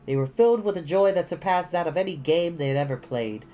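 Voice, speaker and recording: A woman with a low voice reads a children's story aloud. Her intonation swings widely as she tells it in a dramatic, unhurried way. Some noise sits behind her. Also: animated, dark tone. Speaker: storytime host reading a book aloud. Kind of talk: expressive children's storybook narration.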